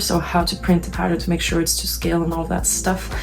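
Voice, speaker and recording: Music in the background and audible room echo around a woman's voice. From Austria. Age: 30s. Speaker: sewing YouTuber. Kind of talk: casual vlog. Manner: not usually quiet.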